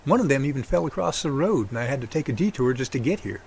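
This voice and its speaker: A man's voice: mid-range voice, expressive, quick pace, creaky, darkish tone, slight background noise. A man acting as a chatty, good-humoured grown son in an amateur audio drama, with folksy delivery. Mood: chatty, wry.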